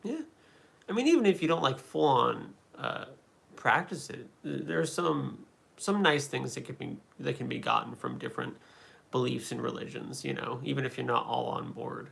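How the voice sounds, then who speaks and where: A man's voice: mid-range voice, expressive, moderate pace, vocal fry, fairly bright tone. A man hosting a livestream, chatting casually and answering comments, rambling with many fillers and restarts. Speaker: livestream host answering chat.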